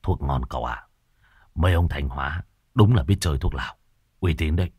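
A man voicing a sly, crude male sidekick who mutters low jokes. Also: animated, a little fast, a little mellow, slightly rough, dry recording, studio quality, full character voice. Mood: satisfied.

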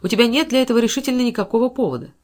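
A woman's voice: on the high side, very fast, darkish tone, pitched above the performer's own voice, close to an everyday voice. A woman voicing a self-assured businessman husband who pleads and persuades. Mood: pleading.

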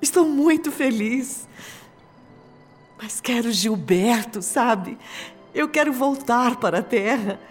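A woman playing a gentle, wistful young daughter who pleads earnestly in a radio drama. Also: on the high side, animated, slow pace, long pauses, soft background music. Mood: tender, longing.

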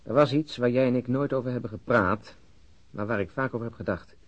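An actor playing a weary, outspoken and sardonic police detective in a radio drama, with a husky voice. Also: male voice, medium pitch, a little fast, natural voice. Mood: insistent, argumentative. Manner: argumentative, sardonic. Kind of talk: Dutch-language radio play acting. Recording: dull, muffled lo-fi audio.

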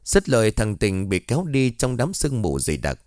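Expressive male horror storyteller. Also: fairly low pitch, fairly quick, no room sound, studio quality. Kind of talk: first-person horror story narration.

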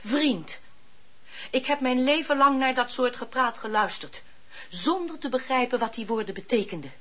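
An actress playing a blunt, skeptical, sharp-witted woman in a historical radio drama, speaking in a pointed, challenging way. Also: sits high, lively intonation, moderate pace. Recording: muffled lo-fi radio drama recording.

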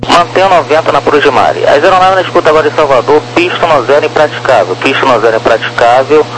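A man's voice: on the high side, fast, fairly bright tone. Brazilian male air traffic controller over noisy radio. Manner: directive, repeats key phrases. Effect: aircraft radio transmission. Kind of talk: aviation radio communication, clipped procedural instructions.

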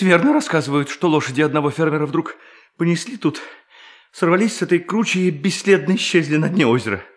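A man's voice: medium pitch, husky. An actor playing a sly, gleeful male bank robber posing as a pious hermit in an audio drama, muttering and exclaiming to himself with self-mockery. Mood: relieved, breathless excitement. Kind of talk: theatrical audio drama monologue.

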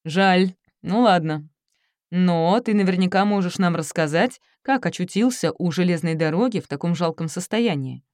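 A woman's voice: lowish voice, moderate pace, a little mellow, no room sound, clean studio sound, close to an everyday voice. A woman narrator voicing a polite, patient adult male American interrogator who questions a young man in a friendly, coaxing way.

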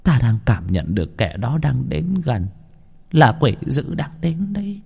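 A man's voice: medium pitch, very animated, a little slow, creaky, mellow, breathy edge, voice pushed up, heavily acted. A man voicing a frail, hunched old grandmother who pleads and then shrieks in fury, in a ghost-story reading. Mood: grave urgent.

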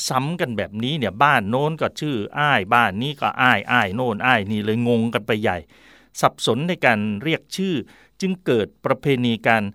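A man's voice: medium pitch, fairly bright tone, no echo, clean studio sound. A man hosting a casual talk on history and language, explaining with examples in a chatty way. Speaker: radio host.

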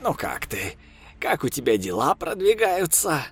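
A man doing a gruff old professor. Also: on the high side, sing-song, measured pace, pitched above the performer's own voice, exaggerated voice. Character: old male scientist, just woken, gruff.

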